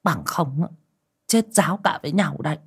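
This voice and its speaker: A woman's voice: very animated, unhurried, slightly rough, full character voice. A woman voicing a harsh, superstitious older village aunt who berates her kin. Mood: calmer. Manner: shrill, berating, superstitious scolding. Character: harsh scolding older woman, clan head's wife.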